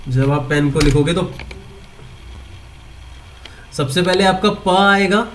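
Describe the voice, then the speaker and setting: Teaching English grammar online, a man with a high voice speaks slowly, posing questions to his students and then answering them himself. He blends Hindi with English terms and repeats his points. There's a slight background noise.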